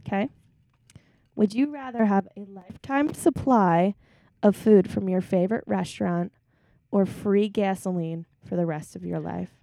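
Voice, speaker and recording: Woman, young adult, host, teasing, quick interjections, dry close recording. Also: mid-range voice, creaky, warm tone, no room sound. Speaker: podcast host. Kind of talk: casual chat.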